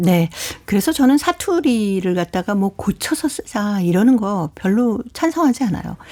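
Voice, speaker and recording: Her pitch swings very widely as this woman talks at a moderate pace in a medium register. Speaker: radio program host. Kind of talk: radio broadcast host talk.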